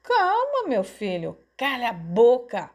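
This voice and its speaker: A woman acting a high-pitched, anxious older mother. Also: huge pitch swings, moderate pace, darkish tone, heavily acted. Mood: soothing. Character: frightened, doting older mother, pleading and fretting.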